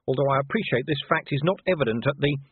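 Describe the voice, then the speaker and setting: A man's voice: mid-range voice, fast, slightly rough, voice pushed up. A man reading the part of a weary male city watch commander, dry and clipped. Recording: tinny phone-band sound.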